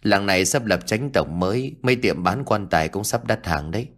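A man's voice: fairly low pitch, a little fast, a bit bright. A man voicing an eerie village spirit-medium woman who speaks in cryptic, ominous prophecies, in a told ghost story.

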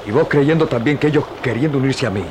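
An actor playing a slow-witted, lecherous indigenous chief who speaks broken Spanish in a radio drama. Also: male voice, mid-range voice, noisy background, lightly acted. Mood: grumbling.

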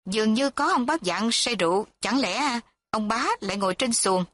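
A woman's voice: a little high, lively intonation, normal speed, a bit bright, no echo. A woman reading a story voices a man on a wood boat who gives vague, offhand replies.

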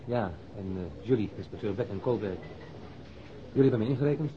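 A man's voice: on the low side, animated, lightly acted. A man playing a hesitant, apologetic ex-convict turned reporter in a radio drama. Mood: uneasy. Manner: hesitant, apologetic, halting starts. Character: nervous, humbled male ex-convict turned provincial reporter. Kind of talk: Dutch radio drama dialogue. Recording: dull, noisy lo-fi radio drama recording.

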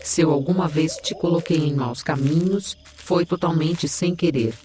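A man voices a digital AI assistant with a diva's vanity in an audio drama. The voice sits a little high, teasing and theatrical, while delivering information matter-of-factly. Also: moderate pace, darkish tone, lightly acted. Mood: sassy, teasing. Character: sassy, vain digital AI assistant, self-styled diva.

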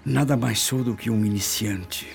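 A middle-aged Brazilian father in a radio drama, tormented and repentant. His low voice has a gravelly creak and moves expressively. He phrases things deliberately, solemn and earnest, with faint music behind him. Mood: tender, earnest. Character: tormented, repentant father seeking faith and self-control.

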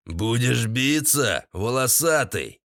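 Audiobook thug: narrator putting on a slow-drawling shaven-headed gang leader, gravelly low, dry close read. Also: male voice, lively intonation, a bit bright, dry recording. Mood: menacing. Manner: drawling crude street slang.

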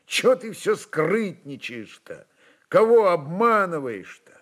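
A man's voice: high-pitched, very animated, slow pace, fairly bright tone, voice pushed up, exaggerated voice. A man voicing a brooding, blunt Cossack chieftain, a father, who muses in plain folksy dialect. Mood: reproachful.

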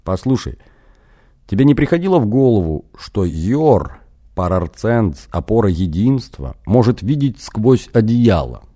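A man voicing a sly, sarcastic noblewoman with a husky voice, reading her lines in an audiobook. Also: on the low side, big pitch swings, measured pace, mellow. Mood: mocking. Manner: teasing, sarcastic. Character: sly husky female baroness, mocking.

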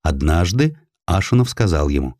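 A male audiobook narrator tells a historical tale in a fairly low voice. His delivery is dramatised and very animated in pitch, recorded close and dry. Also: moderate pace, dry recording.

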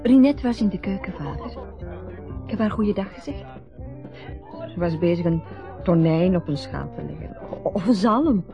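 A woman's voice: on the low side, lively intonation, normal speed, vocal fry, long pauses. An actress playing a reserved, pointed grown daughter talking to her father in a radio play. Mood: cool, pointed. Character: cool, reserved grown daughter of a retiring man. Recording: dull radio recording, music behind.

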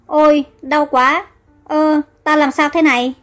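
A woman's voice: high-pitched, little pitch movement, a little slow, fairly bright tone. A woman voicing a young male fisherman who pleads in fear. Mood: dazed.

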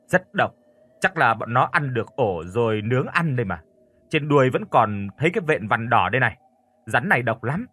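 A man's voice: medium pitch, sharp tone, breathy edge. A man voicing an anguished village father who knows folk healing.

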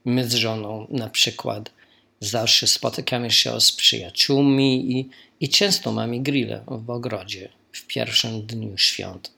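A man's voice: mid-range voice, takes it slowly, gravelly, pushed and bright. A man from Australia, a native English speaker, speaking Polish as a learner with an Australian English accent, in careful phrasing with small slips, as in an informal recorded message.

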